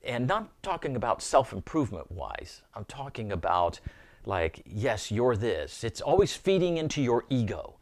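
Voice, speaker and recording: A man's voice: medium pitch, sing-song, moderate pace. A man giving an earnest, informal Christian teaching, often repeating words as he thinks aloud.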